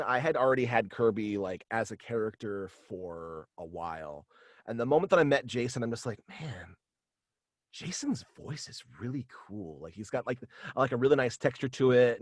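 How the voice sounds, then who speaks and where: A man's voice: medium pitch, no echo. Rambling young man in a dry room. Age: young adult. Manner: rambling, frequent "like". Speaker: guest, voice actor and writer. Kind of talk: casual interview chat. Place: small room at home, on video call.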